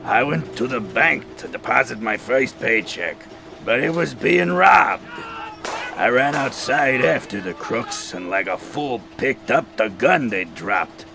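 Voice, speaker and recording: A man playing a bitter, sardonic dead former crook in a radio drama, with a gravelly voice. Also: medium pitch, lively intonation, unhurried. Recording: music bed behind.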